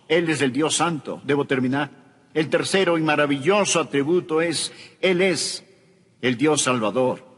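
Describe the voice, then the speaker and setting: Emphatic preaching man, high lively voice. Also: slightly rough, in a large hall. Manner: emphatic preaching with wide swings from loud to hushed. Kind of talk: sermon.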